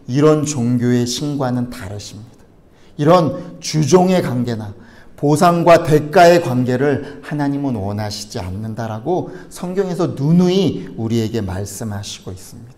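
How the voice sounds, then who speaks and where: Korean pastor preaching conversationally. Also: male voice, medium pitch, darkish tone. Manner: conversational, addresses the congregation with rhetorical questions. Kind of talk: sermon.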